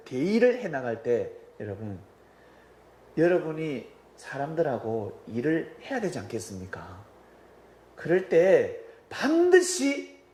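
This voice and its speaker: A man preaching a sermon, his voice rising and falling widely as he acts out the people in his stories. The sound is roomy, with the echo of a church sanctuary and a faint hum of ambience behind him. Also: fairly high pitch. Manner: animated storytelling, acts out quoted voices. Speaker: pastor.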